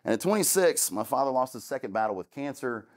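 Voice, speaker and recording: Speaking quickly in an expressive, medium-pitched voice with a slightly mellow quality, a man walks students through his beginnings in real estate. He's frank and conversational, restarting often and saying "long story short" along the way.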